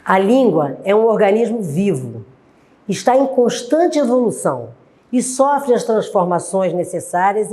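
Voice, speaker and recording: A Brazilian woman teaches a recorded lesson at an unhurried pace. Her pitch rises and falls a lot as she stresses each example. She lays out word pairs one by one, as if dictating. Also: mellow. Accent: Brazilian Portuguese. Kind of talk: recorded grammar lesson for adult students.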